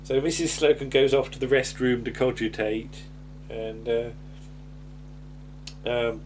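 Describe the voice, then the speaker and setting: A man's voice: mid-range voice, fairly even intonation, a little slow, a little mellow, a little hiss or hum. A man chatting casually as he reviews an episode, hesitant and rambling, often ending on tag questions. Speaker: podcast host.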